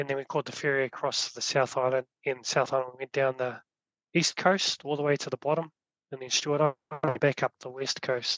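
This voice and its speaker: Recorded with a dry, close sound and no echo, a man with a New Zealand accent speaks at a moderate pace in a medium pitch and a monotone, flat intonation. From New Zealand, Auckland. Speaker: family traveller. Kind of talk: casual interview.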